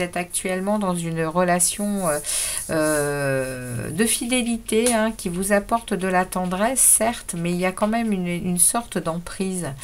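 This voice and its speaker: Noticeable background noise runs behind a woman speaking at a fairly slow pace. Her medium-pitched voice has lively intonation. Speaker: tarot card reader. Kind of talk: tarot reading. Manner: halting.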